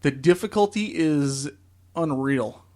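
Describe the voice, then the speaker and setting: A young man co-hosts a podcast, spinning long, rambling stories in an easygoing chat about video games. His voice is fairly high-pitched with a darkish tone, and he speaks slowly.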